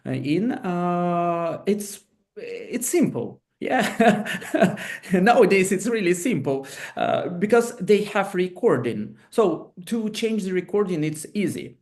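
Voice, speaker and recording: A man's voice: high-pitched, sing-song, takes it slowly, a little mellow. A man who is not a native English speaker, explaining technology on a webinar panel over a video call, hesitant and full of restarts. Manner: hesitant, many fillers and restarts.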